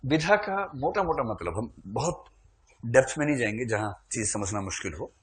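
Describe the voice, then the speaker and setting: A man's voice: medium pitch, lively intonation, normal speed. A man teaching a classroom lecture in a conversational way, mixing humorous asides with explanation and checking in with his students.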